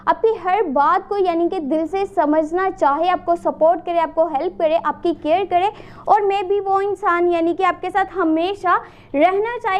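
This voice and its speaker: A woman from Pakistan gives a tarot reading. She is a little hoarse and advises earnestly, mixing English words into her speech. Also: very high-pitched. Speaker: tarot reader. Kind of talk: solo tarot reading to camera.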